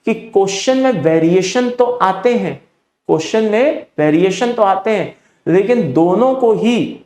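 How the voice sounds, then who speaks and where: A man's voice: sits high, a little mellow, echoey room. Emphatic Indian male chemistry teacher. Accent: Indian English. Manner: emphatic, repeats points, keeps checking in with students. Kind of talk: exam-prep lecture.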